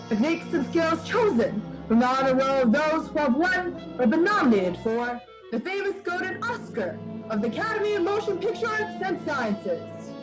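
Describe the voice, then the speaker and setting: Lady doing an old-time 1940s radio announcer, high voice, grand n formal, loud music behind. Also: rough recording. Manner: grand, presentational, measured.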